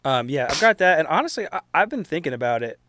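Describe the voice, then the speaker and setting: A man's voice: a little high, very animated, quick pace, sharp tone, slight background noise. A man chatting casually as a tabletop game player, rambling a little as he thinks aloud. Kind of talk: casual chat.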